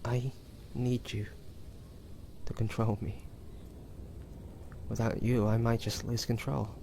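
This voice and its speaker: A man playing a weary, vulnerable young hunter in an intimate romantic audio drama, speaking haltingly and tenderly, with devotion. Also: mid-range voice, flat delivery, creaky, dark tone, a little hiss or hum. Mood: sleepy, tender. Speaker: amateur voice actor.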